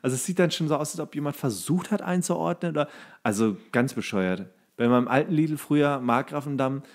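A man's voice: mid-range voice, darkish tone. A man co-hosting a podcast, telling rambling anecdotes in casual, comedic chat and acting out quotes. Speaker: podcast co-host.

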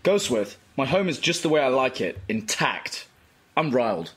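A man's voice: mid-range voice, very animated, moderate pace, a bit bright. A man voicing a fierce, irritable young woman in a cartoon table read, indignant and emphatic. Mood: riled.

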